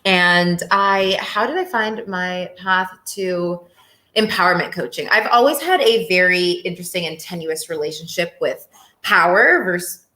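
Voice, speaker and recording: Young woman guest, lowish and bright, animated, candid, echoey room. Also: a little slow. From Cape Verde and Mozambique heritage, raised in Ethiopia. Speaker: empowerment coach guest. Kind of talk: casual interview conversation.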